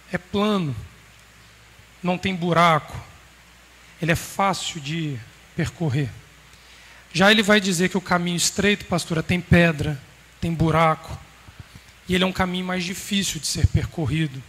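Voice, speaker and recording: A man preaching a sermon to a congregation in a measured, emphatic way with pauses. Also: sits high, fairly bright tone. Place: congregation hall. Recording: roomy hall reverb, faint background noise.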